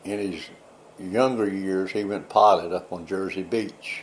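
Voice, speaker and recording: Speaking with an American accent, a man has an unremarkable speaking voice. His pitch is fairly low and his pace fairly slow. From North Carolina coast. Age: 60s. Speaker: retired fishing boat captain. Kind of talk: oral history interview. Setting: at his home.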